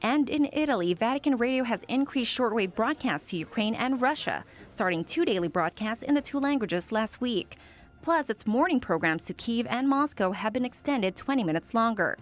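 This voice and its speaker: A woman's voice: on the high side, lively intonation, moderate pace, faint music behind. A woman reading a scripted news report as a reporter.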